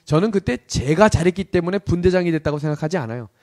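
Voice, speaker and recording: Male pastor, high voice, preaches through a personal story and acts out the scenes. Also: lively intonation, fast talker. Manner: storytelling, acts out shouted army commands; asks the congregation questions.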